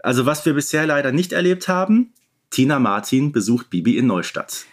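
A man chats as co-host of a fan podcast. His voice has a middle pitch for a man, and his delivery is casual and playful, like a fan who enjoys quoting. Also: fairly quick.

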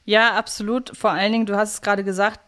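A woman's voice: mid-range voice, level tone, fast, fairly bright tone. A woman co-hosting a podcast, chatting casually as she discusses an audio drama series. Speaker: podcast co-host.

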